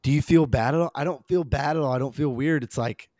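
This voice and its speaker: A man with a slightly hoarse voice hosting a casual, rambling, emphatic fan talk on a sports podcast. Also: on the high side, fast talker, a little mellow, dry recording.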